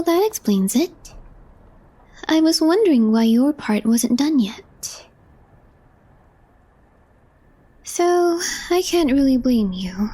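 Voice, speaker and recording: A woman playing a calm, deadpan, quietly mischievous young office coworker in an ASMR roleplay, speaking softly in a hushed, understated way. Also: high-pitched, exaggerated voice. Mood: calm, mildly weary. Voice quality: soft, breathy, hushed.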